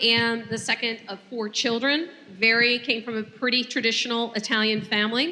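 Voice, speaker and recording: This voice has a New York accent and a moderate pace. The intonation stays fairly even. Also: woman. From New York (Bronx, upstate). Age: 40s. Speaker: entrepreneur and speaker. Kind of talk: interview.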